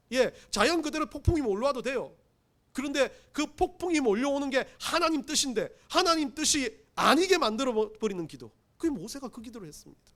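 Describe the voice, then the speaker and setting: A man's voice: very high voice, fairly bright tone. A man preaching a sermon as pastor, emphatic, acting out pleading quotes, with self-deprecating asides. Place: church sanctuary.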